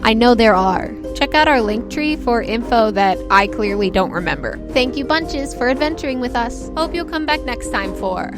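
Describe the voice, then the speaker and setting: A woman's voice: fairly high pitch, expressive, normal speed, few pauses, music in the background. A woman speaking as game master and host of a tabletop roleplaying podcast. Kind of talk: podcast game narration and scripted outro.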